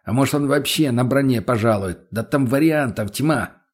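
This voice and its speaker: A man's voice: medium pitch, moderate pace, lightly acted. A man voicing a cool, sardonic male gypsy mercenary who speaks dry and blunt.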